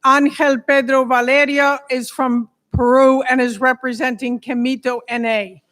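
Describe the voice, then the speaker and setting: Female event moderator, high and forceful voice, ceremonious introductions at a formal summit. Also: flat delivery, a little slow.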